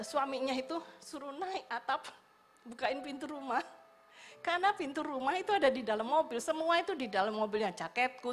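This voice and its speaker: Lively woman preacher. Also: high voice. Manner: lively storytelling, acting out the people in her story. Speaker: evangelist preacher. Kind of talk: sermon testimony. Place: church service.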